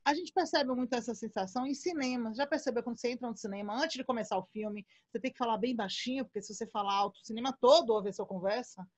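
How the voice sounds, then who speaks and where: A woman specialist explaining room acoustics in a calm, patient way. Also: on the high side, fast, hardly any pauses. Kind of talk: explanatory casual chat.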